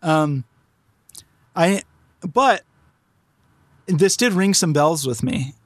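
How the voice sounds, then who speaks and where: Rambling man, slightly high voice. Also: lively intonation, extremely slow, no echo, studio quality. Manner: rambling, with many restarts and "like"s. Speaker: podcast co-host. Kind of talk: casual conversational chat.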